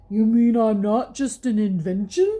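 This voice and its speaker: A woman uses a put-on character voice pitched fairly high. She keeps a moderate pace. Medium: read story.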